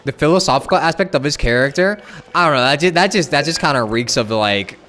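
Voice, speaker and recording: A man's voice: on the high side, animated, sharp tone. Musing man streamer over game music. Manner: musing, halting, repeats phrases while thinking aloud. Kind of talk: casual livestream chat with viewers.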